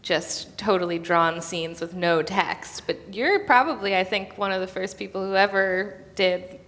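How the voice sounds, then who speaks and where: A big hall's reverb trails a woman with a bright, crisp-edged voice. She is interviewing on stage, speaking informally and chattily, as if in casual conversation. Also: mid-range voice, steady tone, unhurried. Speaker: interviewer presenting cartoons. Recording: echoey hall with long reverb.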